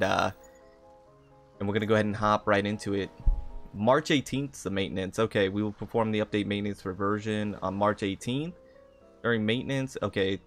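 Low voiced guy doing a casual game stream, chatting to viewers, repeats himself, music behind. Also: a bit bright. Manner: repeats phrases, chatty and informal. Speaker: live streamer. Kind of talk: casual gaming livestream chat, greeting viewers. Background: background music.

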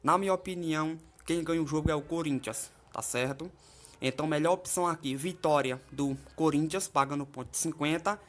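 Chatty man with a fairly high voice. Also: a little fast. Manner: chatty, keeps asking "tá certo?" and "né?". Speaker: football betting tipster. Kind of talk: casual screen-share commentary. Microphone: voice-over over a phone screen.

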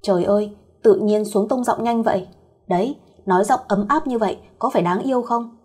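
A woman's voice: mid-range voice, fairly quick, a little mellow, husky, lightly acted. Woman acting a feisty young female employee, storyteller style. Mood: grumbling. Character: feisty young female employee, grumbling yet polite to boss. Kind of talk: acted dialogue in an audio story.

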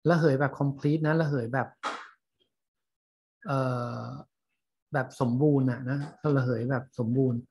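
Slow, husky man lecturing. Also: medium pitch, steady tone, darkish tone. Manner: slow, halting, many fillers. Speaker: teacher. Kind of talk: lecture on reading scientific English.

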